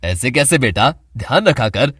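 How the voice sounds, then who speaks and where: A woman lowering her voice to play a kind, caring middle-aged father in an animated story. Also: moderate pace, slightly rough, dry recording, studio quality, exaggerated voice. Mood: fatherly. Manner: gentle, fatherly.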